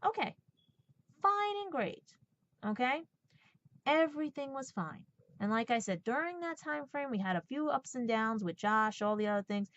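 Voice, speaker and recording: A woman's voice: mid-range voice, dry recording. A woman in her forties giving a blunt, sarcastic personal rant, swearing and checking in with "right?" and "okay?". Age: 40s. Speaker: podcast host. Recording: dull, lo-fi sound.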